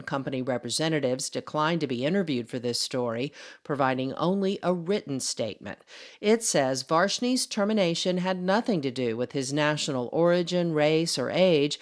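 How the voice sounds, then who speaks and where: A woman reporting for radio news, reading her script in a crisp, steady voice. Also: low voice.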